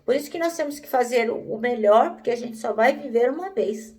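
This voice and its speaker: A woman's voice: a little high, lively intonation, a little fast, distant mic. A woman teaching the Bible in a conversational way, often checking in with "né?" and "então".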